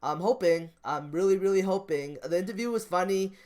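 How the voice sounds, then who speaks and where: High-pitched, clear-voiced man rambling casually. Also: a little fast, a little mellow. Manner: rambling, repeats phrases, trails off and restarts. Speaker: stock market vlogger. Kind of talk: casual off-the-cuff vlog commentary.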